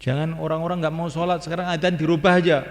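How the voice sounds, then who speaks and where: A man's voice: on the high side, flat delivery, quick pace. Man preaching in an echoing hall. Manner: repetitive, emphatic, chants call to prayer phrases. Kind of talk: religious talk to a gathering. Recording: long reverb hall.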